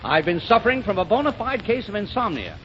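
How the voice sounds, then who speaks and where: A man with a high, swooping, pompous voice, blustering his way through 1930s radio comedy banter. The sound is dull and lo-fi, with a steady hiss from an old broadcast. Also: quick pace. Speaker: comedian in radio variety show.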